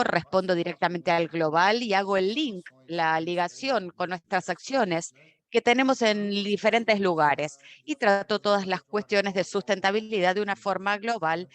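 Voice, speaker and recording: Woman, conference interpreter, even mid pitch, measured delivery, frequent restarts and self-corrections. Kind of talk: simultaneous interpretation of a corporate talk.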